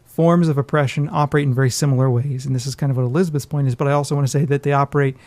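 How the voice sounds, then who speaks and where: A man's voice: medium pitch, fairly even intonation, very fast, a little mellow, no room sound. A man co-hosting a podcast, talking casually and emphatically about his opinions. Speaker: podcast co-host.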